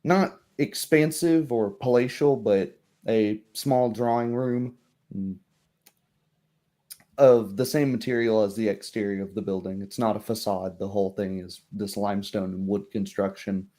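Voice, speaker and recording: A man running a tabletop roleplaying game, describing scenes in a halting, improvised way. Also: lowish voice, fairly even intonation, mellow. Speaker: game master.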